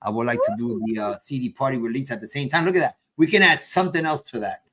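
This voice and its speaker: A man's voice: mid-range voice, quick pace, fairly bright tone. A man in his late fifties hosting a podcast, laid-back with hype interjections. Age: 50s. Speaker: podcast host. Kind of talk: casual podcast chat.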